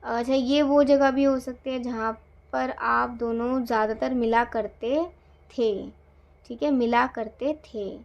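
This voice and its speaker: A woman tarot reader gently narrating a guided visualization, hesitating often with fillers, on a dull lo-fi recording. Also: a little high, fairly even intonation, takes it slowly, vocal fry.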